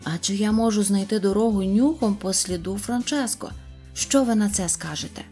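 A woman's voice: mid-range voice, moderate pace, mellow, faint music behind, lightly acted. A woman voicing a timid but clever little male rag toy dog in a storybook, speaking shyly and earnestly. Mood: eager. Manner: shy, eager, earnest.

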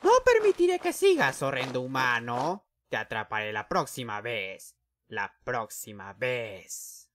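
A man voicing a loud, boastful tall skeleton guard in a cartoon fan dub, shouting with wild theatrical leaps in pitch. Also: sing-song, measured pace. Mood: excited.

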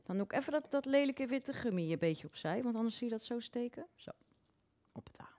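A cheerful woman nail technician talks through her work step by step in a live online workshop. Her voice sits a little high and moves lively up and down. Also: brisk.

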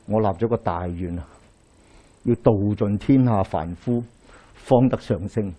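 A middle-aged man with a Hong Kong Cantonese accent, a Daoist priest giving a lecture to a live audience, telling stories with lively rhetorical questions as he moves about. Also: on the low side, unhurried. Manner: animated storytelling with rhetorical questions, pacing while gesturing. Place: small lecture hall indoors, in front of a screen.

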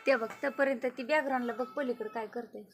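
A woman, a vlogger and mother, points her camera at her cats at home and chatters to them in playful baby-talk for a casual vlog. Her voice is on the high side and fairly even in tone, she talks fast, and background noise can be heard.

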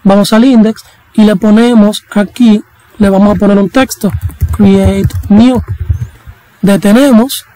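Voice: mid-range voice, steady tone, a little slow, long pauses, warm tone, low-quality recording. A young adult programming instructor, talking through a coding tutorial in a casual, chatty way with slang and joking asides. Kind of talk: screen-recorded coding tutorial.

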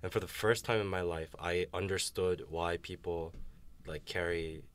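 A young man with a very deep, low voice talks through his experiences in a casual discussion. He is frank and reflective and slips in self-deprecating jokes. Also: steady tone, normal speed, smooth. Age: young adult. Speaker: university student.

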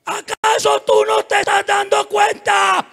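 A man voicing an angry young woman who shouts indignantly at her father, in a high, strained voice. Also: monotone, a little slow, gravelly, in a large hall, some chatter behind, heavily acted.

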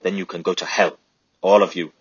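A man's voice: low voice, level tone, a little fast, breathy edge, dry recording. A man voicing a bitter, grieving man who turns away the soldiers, in a storybook reading. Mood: bitter grief. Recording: dull lo-fi recording.

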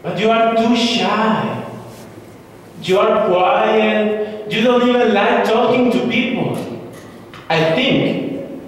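A young man delivers a rehearsed English speech in a slow, measured way, leaving long dramatic pauses. His voice is fairly high for a man. He is heard from far off across a big, echoing auditorium with a light hiss. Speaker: speech contestant. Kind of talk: memorized contest speech. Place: large indoor auditorium stage. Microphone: far camera, no visible mic. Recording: echoey hall from far off, faint hiss.

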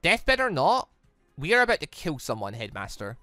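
Kobieta jako poważna, pełna winy młoda wojowniczka. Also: female voice, low voice, wildly swooping pitch, normal speed, sharp tone, no echo, soft background music, exaggerated voice. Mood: resolute. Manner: solemn, hesitant, formal. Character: earnest, guilt-ridden young warrior woman.

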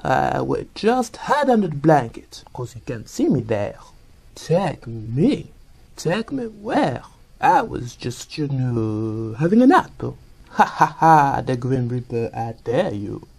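A man's voice: on the high side, gravelly, dark tone, breathy edge, exaggerated voice, low-quality recording. A man voicing a chatty French monkey puppet reporter with a French accent and a sing-song voice. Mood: flustered. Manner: jokey, rambling, flustered fibbing. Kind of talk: comic puppet news segment.

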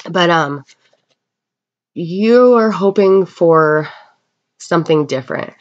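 A woman getting over a cold gives a casual tarot card reading, speaking haltingly with unhurried pauses. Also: fairly low pitch, lively intonation. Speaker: tarot reader. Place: indoors at a table in a room. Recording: dull, lo-fi webcam sound.

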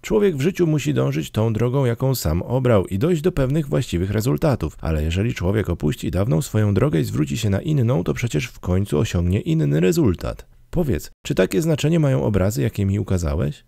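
A man's voice: medium pitch, sing-song, a little fast, creaky, few pauses, mellow, no echo, clean studio sound, pitched above the performer's own voice, heavily acted. A man reading an audiobook, voicing a terrified old male miser who desperately pleads with a spirit in a raised, anguished voice. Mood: urgent arguing. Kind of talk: audiobook character voice.

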